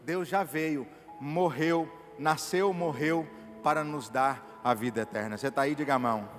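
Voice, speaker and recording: A man's voice: a little high, a little slow, a bit bright. A Brazilian man preaching a sermon as a pastor in a church, emphatic and pulling the congregation into call-and-response. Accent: Brazilian Portuguese. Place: church sanctuary. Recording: reverberant church hall with faint music.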